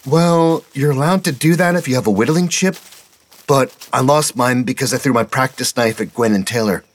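A man voicing an eager young boy scout, talking high and breathless. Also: normal speed, lightly acted.

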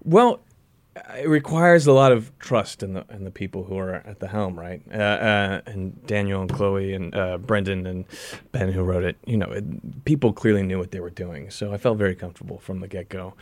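Low-voiced man, halting casual interview guest. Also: no echo. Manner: self-deprecating, jokey, halting and searching for words.

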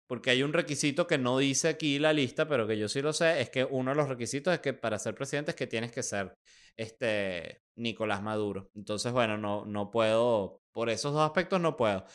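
Smooth-voiced Venezuelan man joking around. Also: mid-range voice, a bit bright. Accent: Venezuelan Spanish. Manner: joking and sarcastic, with quick asides. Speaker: podcast host. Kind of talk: casual commentary.

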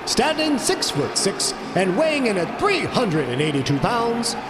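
A man voicing a male ring announcer who stretches and shouts his words to hype a crowd. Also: high voice, noisy background, pitched above the performer's own voice. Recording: roaring crowd behind.

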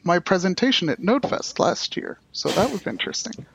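A man's voice: high-pitched, sing-song, moderate pace, vocal fry, background noise. A man hosting a podcast, introducing guests and putting questions to them. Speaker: podcast host.

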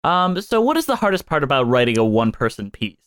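Smooth, dry-sounding man interviewer. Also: medium pitch, sing-song, quick pace, fairly bright tone, dry recording. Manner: short affirming responses and plain questions. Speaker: interviewer, podcast host. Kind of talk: casual interview questions.

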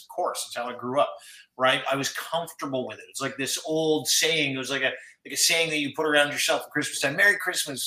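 Bright, casual man in an echoey room. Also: fairly high pitch. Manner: casual, says "right?" often. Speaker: podcast co-host. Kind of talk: casual political discussion.

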